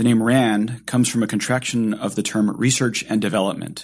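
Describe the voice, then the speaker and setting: The recording is very clean with a silent background. A man talks fairly quickly in a plain, everyday voice at a medium pitch. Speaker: office director introducing event. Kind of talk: event welcome and introduction. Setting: event with audience.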